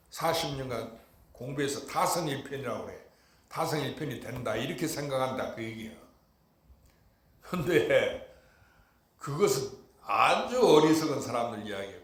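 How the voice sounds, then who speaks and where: A Buddhist monk giving an emphatic Dharma talk, often asking listeners if they understood. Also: male voice, medium pitch. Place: temple dharma hall. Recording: echoey hall.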